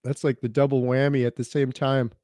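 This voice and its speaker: A man's voice: mid-range voice, level tone, brisk, warm tone, no echo, clean studio sound. A man hosting a casual interview, asking easygoing, rambling questions that build on his guest's answers. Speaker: interview host.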